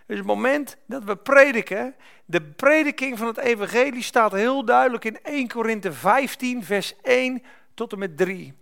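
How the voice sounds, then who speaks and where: High-voiced fervent male preacher. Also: moderate pace, gravelly. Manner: emphatic storytelling preacher who builds to loud, fervent peaks. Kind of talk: sermon.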